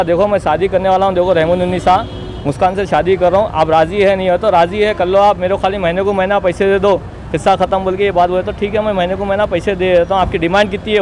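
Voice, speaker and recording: Standing by a street wall outdoors, this young adult man with a Hyderabadi accent gives local reporters his personal account in a high, darkish voice. His statement is insistent, self-justifying and full of repetition, and street noise can be heard behind him.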